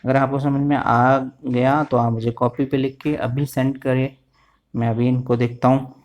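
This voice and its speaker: A man teaching Sanskrit grammar in an online lesson. He reads out the forms slowly, one after another, and often checks whether the students have understood. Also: medium pitch, level tone, darkish tone, lo-fi sound.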